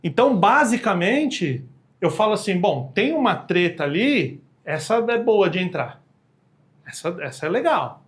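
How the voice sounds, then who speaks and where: High-voiced brazilian man, slangy podcast guest. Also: sing-song, a little slow. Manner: slangy, acts out quoted dialogue in voices. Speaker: podcast guest, communication expert. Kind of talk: casual podcast chat.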